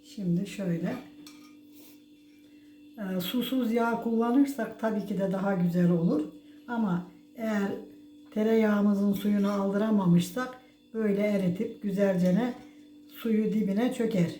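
An older woman presents a recipe as a home cook in a casual, homely cooking demonstration, speaking toothlessly with soft-edged articulation. Her voice is mellow and mid-range, her pace measured with frequent pauses, and she is folksy, treating viewers as friends and speaking in blessings. The room echoes, with faint background noise and faint music.

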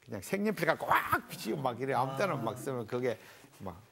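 A middle-aged man, a pastor giving a Bible lecture to a panel in a folksy, animated way. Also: medium pitch, a little fast, creaky, crowd noise. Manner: animated and folksy, explains Hebrew words in homely terms.

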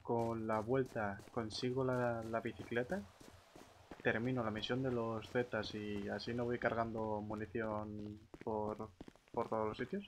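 A man's voice: on the low side, little pitch movement, unhurried. A man with a Castilian Spanish accent chatting casually in a game roleplay, thinking aloud with hesitations. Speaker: roleplay gamer, group member. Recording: clear background noise with clicks.

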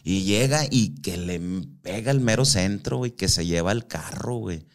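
A man's voice: on the low side, moderate pace. A man from Mexico, telling stories in casual, slangy speech full of swearing and acted-out quotes. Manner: slangy, swears a lot, acts out quoted voices. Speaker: guest. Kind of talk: casual storytelling.

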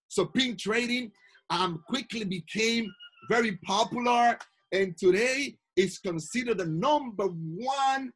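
A man's voice: sits high, a bit bright, breathy edge. A man presenting a lesson on pin trading to youth learners, repeating himself, restarting phrases and adding asides to the learners. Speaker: Pathfinder instructor.

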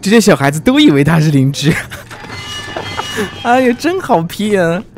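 A man giving lively, teasing commentary as he plays a video game, full of exclamations. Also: sits high, fairly quick. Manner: excitable, teasing, frequent exclamations and laughs. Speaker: gaming YouTuber. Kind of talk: let's play commentary.

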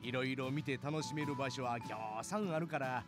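A man voicing a kindly, easygoing older gentleman with a Kansai accent in a visual novel, gentle and reassuring. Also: mid-range voice, very fast, close to an everyday voice. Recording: game audio with music behind.

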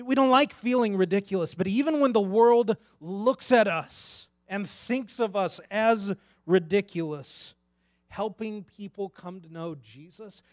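A man preaches from a church stage, talking earnestly and casually into a handheld mic. His voice sits a little high for a man, and he often restarts his words. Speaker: pastor. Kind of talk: sermon.

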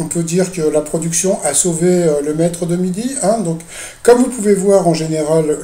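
A man's voice: a little high, mellow. A man giving casual, mocking commentary on a TV quiz show for his video channel, hesitating often with fillers. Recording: echoey room.

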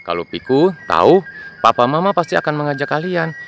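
A man voicing a friendly toy pickup truck who talks gently to the children in a toy story. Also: on the high side, sing-song, fairly quick, gravelly, a little hiss or hum, exaggerated voice. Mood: coaxing. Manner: warm, coaxing, speaks to the children.

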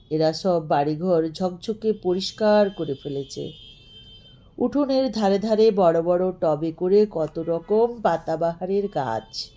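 Woman reading a ghost story, slow and mellow, lowish voice, expressive. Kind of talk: expressive scripted story narration.

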